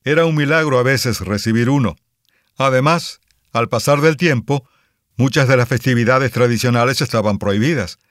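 A man from Cuba playing a toy company president answering interview questions in a sincere, measured way, in a scripted listening-exam dialogue. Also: mid-range voice, no echo, studio quality, natural voice. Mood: earnest. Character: earnest male immigrant toy company boss.

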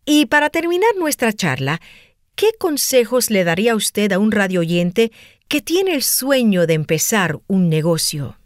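A woman's voice: mid-range voice, big pitch swings, unhurried, no echo, studio quality. A woman playing a gracious radio host. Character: polite female radio talk show host. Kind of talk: scripted listening-exam dialogue.

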